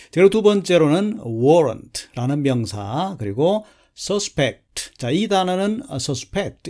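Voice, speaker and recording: Measured man teaching English vocabulary. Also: mid-range voice, mellow. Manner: measured, repeats a filler before each point, reads English examples slowly. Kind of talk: lecture explaining English news vocabulary.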